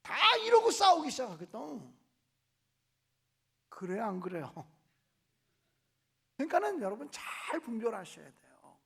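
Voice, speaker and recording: A man's voice: very high-pitched, unhurried, creaky, pauses often, slightly rough. A male pastor preaching a revival sermon in a church, telling stories and acting out the voices of church members. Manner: animated storytelling, voicing church members in dialogue. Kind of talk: revival sermon with acted-out anecdotes. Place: church sanctuary.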